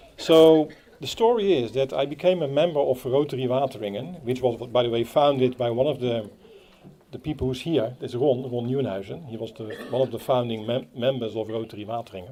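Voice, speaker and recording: At a fairly quick pace, a man speaks with a Dutch accent. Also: medium pitch for a man, ordinary pitch variation. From Netherlands. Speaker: Rotary club member. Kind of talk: public speech.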